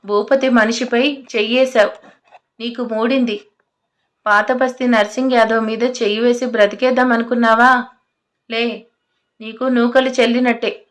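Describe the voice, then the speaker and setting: A woman's voice: a little high, little pitch movement, normal speed, pauses often, natural voice. A woman voicing a swaggering male thug who threatens a police officer. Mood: menacing.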